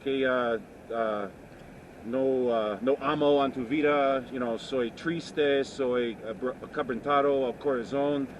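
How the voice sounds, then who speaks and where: Man in halting learner's Spanish. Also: mid-range voice, fairly even intonation, muffled recording. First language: English. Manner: halting learner's Spanish, many fillers and restarts. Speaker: musician and songwriter. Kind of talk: casual chat in a taxi. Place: inside a moving taxi. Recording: noisy car ride recording. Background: street and engine noise.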